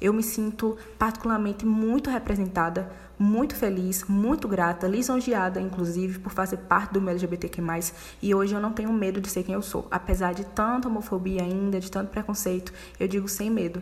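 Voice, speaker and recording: Moderate speed and fairly even intonation, set against noticeable background noise. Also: woman, medium pitch for a woman. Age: 20s. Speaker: friend of the hosts sending a voice message. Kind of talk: recorded voice message.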